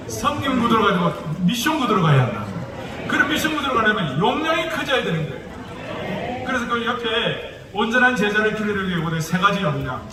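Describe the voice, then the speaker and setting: A male pastor with a Gyeongsang dialect gives a lecture-style sermon, joking and putting rhetorical questions to the audience. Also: sits high. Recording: echoey hall, distant mic, noisy.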